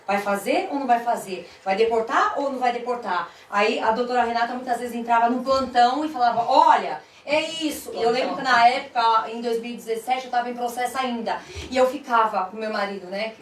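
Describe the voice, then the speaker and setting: A woman's voice: on the high side, brisk, few pauses. A woman with a Brazilian accent hosting a talk show conversationally, acting out remarks as she tells them. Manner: chatty, acts out quoted remarks. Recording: echoey room, distant mic, background noise.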